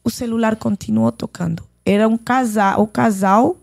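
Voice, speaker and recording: Woman with a gravelly voice. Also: on the high side, fairly even intonation, moderate pace. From Lebanon. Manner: earnest storytelling, retelling dialogue. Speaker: podcast guest. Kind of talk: personal faith testimony.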